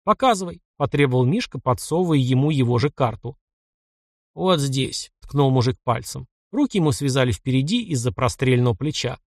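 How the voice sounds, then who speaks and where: A man narrating an audiobook in steady, even storytelling. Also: mid-range voice, quick pace, hardly any pauses, no echo, studio quality.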